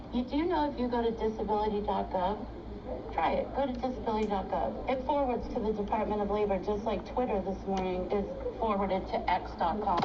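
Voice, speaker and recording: Brief: indignant woman self-filer ranting at a clerk's counter, recorded on a phone from a distance, echoey and muffled with loud background noise. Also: medium pitch. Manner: agitated, indignant, rapid-fire complaining. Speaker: self-represented litigant filing a case. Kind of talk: filmed argument at a court clerk counter. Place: courthouse clerk's counter indoors.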